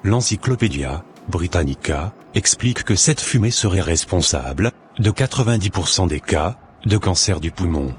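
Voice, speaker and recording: A low-voiced big brother from a Christian cartoon, played by a man, earnest and preachy. He explains and admonishes in a measured, teacherly way. There is clear noise in the recording. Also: animated. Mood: instructive. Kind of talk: scripted cartoon dialogue, expository.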